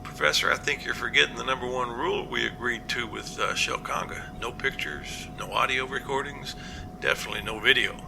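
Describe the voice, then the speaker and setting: A man playing an earnest, cautious captain in an amateur audio drama, reporting in a measured, matter-of-fact way. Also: mid-range voice, creaky, noisy background, lightly acted. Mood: cautious, firm. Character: male captain, earnest, practical, cautious, plain-spoken.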